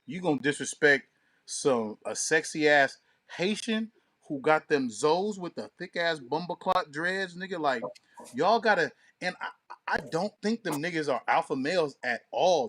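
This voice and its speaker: A man's voice: a little high, lively intonation, normal speed, pushed and bright, no echo. A man co-hosting a podcast in casual, profane, slang-heavy talk, often acting out what people said. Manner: slangy and profane, acts out quotes. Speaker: podcast co-host. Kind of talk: casual chat.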